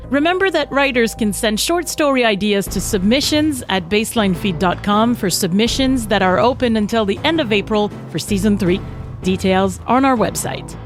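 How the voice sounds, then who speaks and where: Higher-voiced woman hosting over music. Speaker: podcast host reading credits. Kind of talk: scripted podcast outro.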